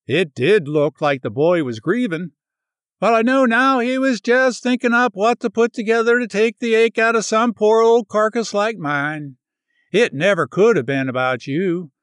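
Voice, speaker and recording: A man's voice: high voice, fairly bright tone, clear, resonant tone, dry recording, clean studio sound, pitched above the performer's own voice. A man voicing a talkative old rural woman who speaks in folksy dialect and rambles on. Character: chatty old rural countrywoman, warm-hearted.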